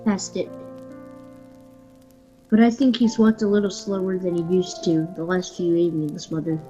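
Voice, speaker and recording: An actress playing a subdued child of a grieving family in a radio drama, gentle, on muffled audio. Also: female voice, lowish voice, level tone, normal speed, soft background music, lightly acted. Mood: sad.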